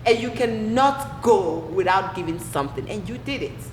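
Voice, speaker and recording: Lively woman host, roomy. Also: mid-range voice, moderate pace. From Nigeria. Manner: enthusiastic, emphatic, laughs often. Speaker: podcast host. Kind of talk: casual interview chat. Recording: roomy echoey room, faint noise.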